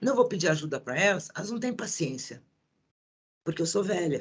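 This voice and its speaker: Her somewhat breathy voice moves with lively intonation as the woman speaks. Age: 50s. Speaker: workplace health speaker. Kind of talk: lecture.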